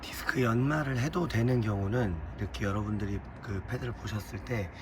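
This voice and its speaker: Hoarse low-voiced man explaining. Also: a little fast, noisy background. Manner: patient, step-by-step explaining. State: hoarse from a cold. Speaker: car maintenance vlogger. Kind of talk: casual explanatory talk to viewers.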